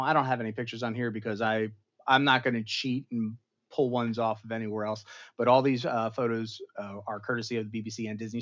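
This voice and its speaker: A chatty male host tells the story of an episode to his chat, animated and prone to dramatic bursts. His voice sits mid-range, and the recording sounds somewhat dull and lo-fi. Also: mid-range voice. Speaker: show host reviewing an episode. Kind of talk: casual recap to a live chat.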